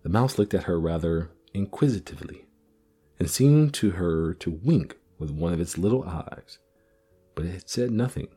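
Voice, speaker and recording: A man narrating a storybook in a gentle, measured way. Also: sits low, lively intonation, slightly rough, faint music behind. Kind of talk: storybook reading.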